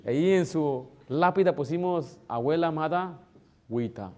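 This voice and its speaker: A man preaching a sermon as pastor, emotional, moving between loud exclamations and soft, tender asides, sometimes acting out relatives in a higher tone. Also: measured pace, slight background noise. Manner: acts out voices of relatives in a higher tone.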